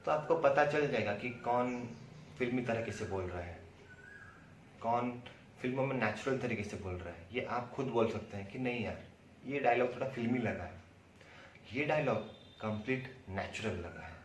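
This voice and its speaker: Posing questions and then answering them himself, a man with an Indian accent teaches acting in an instructional lecture. He speaks at a moderate pace in an animated, mid-range voice, and the distant mic captures roomy echo and faint noise.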